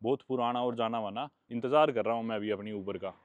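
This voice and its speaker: A young man from India narrates a casual travel vlog as he walks outdoors beside a road in a small town, chatting about what he sees. His voice is mid-range and fast, and the lo-fi recording has no room sound.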